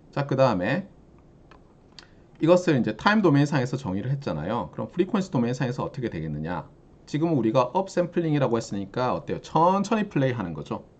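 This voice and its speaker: A man's voice: mid-range voice, muffled recording. A man, a university professor, giving a classroom lecture and often putting rhetorical questions to the class. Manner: lively, asks the class frequent rhetorical questions.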